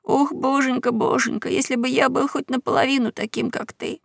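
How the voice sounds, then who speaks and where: A woman voicing a frightened young boy who talks in hushed whispers, in an audiobook reading. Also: mid-range voice, sing-song, normal speed, vocal fry, husky, dry recording, studio quality, full character voice. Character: scared boy whispering at night.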